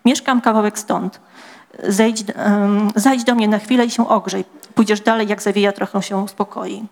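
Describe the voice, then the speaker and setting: A woman reading aloud the lines of a quiet, reserved man in a terse, plain way, in her own voice. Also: medium pitch, steady tone, moderate pace, vocal fry, natural voice. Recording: long reverb of a hall.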